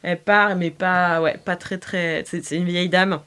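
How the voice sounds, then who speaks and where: A woman's voice: fairly low pitch, fairly even intonation, normal speed, fairly bright tone, clean tone. A woman acting as game master, casually narrating an improvised role-playing story.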